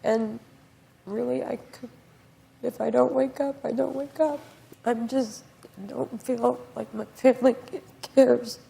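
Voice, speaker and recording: Slurring woman with a creaky voice. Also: on the high side, steady tone, takes it slowly, warm tone. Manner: slurred, medicated-sounding speech. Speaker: talk show guest. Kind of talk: confessional talk show interview.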